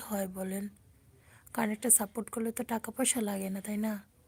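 A woman's somewhat breathy voice carries a dark, mellow tone and monotone, flat intonation in a dry, close sound with no echo. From Gazipur, Bangladesh. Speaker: YouTuber doing a live stream. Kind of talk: casual live stream chat reading out and answering comments.

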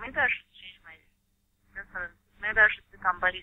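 A woman is speaking. She has a Russian accent. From Uzbekistan. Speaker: model and actress. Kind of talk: interview. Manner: halting.

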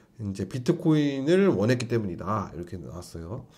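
This man's dark, mellow tone moves through very wide pitch swings at a fairly quick pace. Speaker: crypto YouTuber. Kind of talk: commentary translating an interview. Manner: halting, many fillers.

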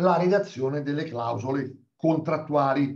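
Fairly high in pitch, a man speaks at a fairly slow pace. His voice is somewhat breathy, and the background is quiet. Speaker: foundation director, environmental policy expert. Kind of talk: webinar lecture. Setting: video call. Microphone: webcam.

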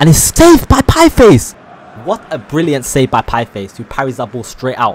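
Over noticeable background noise, a man talks at a moderate pace in a dry, close recording with no echo. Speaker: YouTuber doing mock football commentary. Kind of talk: mock live football commentary. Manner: animated.

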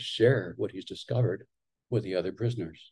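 A man speaks with a dark, mellow tone that is somewhat breathy, using ordinary pitch variation. The background is quiet. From Canada. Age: 70s. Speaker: psychiatrist and author. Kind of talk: lecture. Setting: video call. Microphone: video call.

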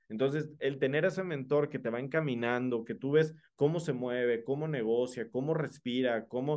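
Ordinary pitch variation at a moderate pace, over a quiet background. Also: man. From Mexico, Jalisco (San Juan de los Lagos); Jalisco, Mexico. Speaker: entrepreneur and content creator; content creator. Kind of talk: interview conversation. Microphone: video call.

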